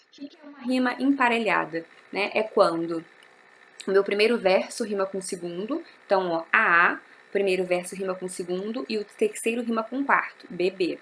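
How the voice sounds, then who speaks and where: A woman's voice: medium pitch, fairly bright tone, slight background noise. A woman, teaching a recorded literature class and explaining step by step, asking and answering her own questions.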